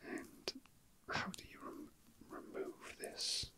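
This ASMR host keeps things hushed and slow, whispering near the microphone while fiddling with small objects. The talk is casual, like musing aloud to themselves.

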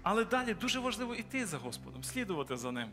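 A man's voice: high voice, sing-song, rapid-fire, pushed and bright, in a large hall. A man preaching and leading an altar-call prayer, urging listeners to come forward with pleading repetition. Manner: urgent pleading, repetitive invitations. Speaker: pastor. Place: large church hall with balcony. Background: applause and music.

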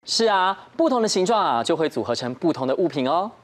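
Lively high-voiced man talking as if to toddlers. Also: quick pace. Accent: Taiwanese Mandarin. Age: young adult. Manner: playful, simple talk as if to toddlers. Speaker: children's show host. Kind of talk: scripted children's presenting. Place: TV studio. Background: music.

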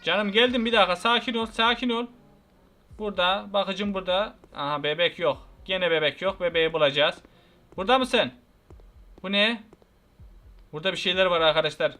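A young man from Turkey giving chatty let's-play commentary on a horror game, talking to his viewers and crying out loudly at the scares. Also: high voice, moderate pace, long pauses, faint music behind. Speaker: gaming channel host.

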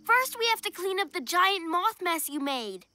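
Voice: very high-pitched, very animated, moderate pace, pushed and bright, slight background noise, heavily acted. A performer voicing a sensible, take-charge young boy superhero in a children's cartoon, earnest and urgent. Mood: determined. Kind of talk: animated children's cartoon acting. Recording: music under the voice.

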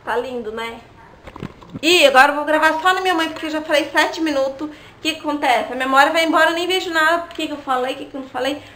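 A woman's voice: high voice, fast, a bit bright, a little hiss or hum. A young adult woman telling a story in a casual vlog, chatty and often turning to her viewers. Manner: chatty, often asks the audience "né, gente?". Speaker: vlogger.

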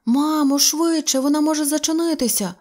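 Eager little boy for an audiobook fairy tale, high and breathless, read by a woman. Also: moderate pace, a little mellow, natural voice. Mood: urgent.

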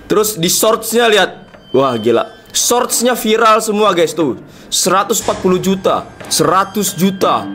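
A young adult man hosting a casual livestream, slangy and excitable, repeating his phrases, with a slightly hoarse voice. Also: high voice, unhurried, faint music behind. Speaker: livestream host. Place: indoor streaming desk.

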